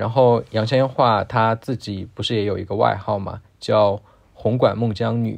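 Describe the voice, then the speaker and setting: A man speaks at a moderate pace and fairly low pitch, with monotone, flat intonation. The background is quiet. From Hunan, China. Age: 20s. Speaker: podcast guest, Chinese pop music fan. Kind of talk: casual chat.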